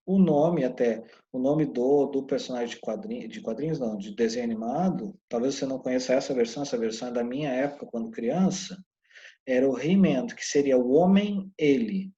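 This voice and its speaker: A Brazilian-accented man giving an English lesson in a soft, mellow voice. He explains patiently and slows right down to sound out each English word. The audio is somewhat dull and lo-fi. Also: medium pitch. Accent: Brazilian Portuguese. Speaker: English teacher.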